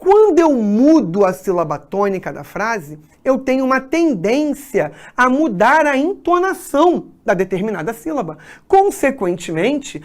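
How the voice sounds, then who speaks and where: A woman teacher explaining grammar at a whiteboard, often checking in with her students. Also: a little high. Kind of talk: exam-prep grammar lesson.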